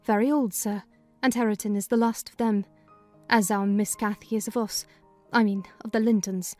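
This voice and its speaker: A woman's voice: medium pitch, fairly even intonation, normal speed, a little mellow, faint music behind, close to an everyday voice. A woman reading a kindly, talkative older housekeeper in a dramatized audiobook. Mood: chatty. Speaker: narrator voicing housekeeper.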